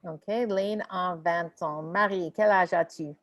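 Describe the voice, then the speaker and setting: A woman's voice: on the low side, fairly even intonation, slow, highs cut off. A woman teaching an online French class over a video call, mixing French and English as she encourages her students.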